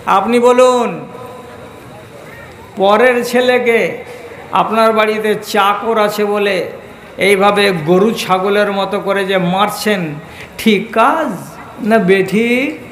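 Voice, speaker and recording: A man with a West Bengal Bengali accent delivers a sermon in a slow, very high voice. He chants and stretches his stressed phrases in a sing-song way. The sound rings with echo, with faint noise behind him. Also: fairly bright tone. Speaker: preacher. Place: large religious gathering, public address.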